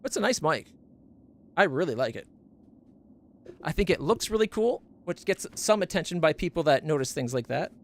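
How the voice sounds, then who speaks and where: A man with a fairly high voice for a guy, admitting it isn't naturally deep. He chats loosely from his home stream setup, circling back and correcting himself as he goes, close on a studio mic. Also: very animated, moderate pace, pauses often. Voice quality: not very deep voice. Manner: rambling, self-correcting, stumbles over names. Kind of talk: casual chat about gear on a game stream. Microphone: studio condenser mic up close.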